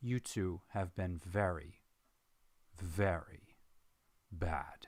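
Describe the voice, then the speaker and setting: In a put-on character voice, a man growls at a very slow pace with a very deep, low pitch and ordinary pitch variation. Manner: menacing.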